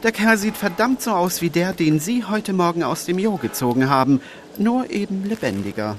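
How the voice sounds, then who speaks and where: A man's voice: high voice, lively intonation, moderate pace, slight background noise. A man playing a cagey, prickly newspaper reporter in a crime audio drama, defensive and smug. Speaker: voice actor.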